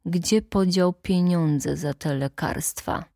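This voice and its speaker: Woman putting on a low, muttering sardonic farmhand. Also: takes it slowly, gravelly, warm tone, no room sound, clean studio sound, heavily acted. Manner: muttering, sarcastic. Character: grim, sardonic village farmhand, a father.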